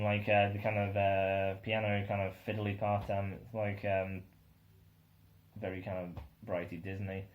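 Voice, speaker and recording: A young man with a somewhat low-pitched voice reviews an album track by track. He rambles, leaning on um and uh between thoughts, and sounds keen about what he hears. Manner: rambling, many ums and uhs, enthusiastic. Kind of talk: casual spoken album review.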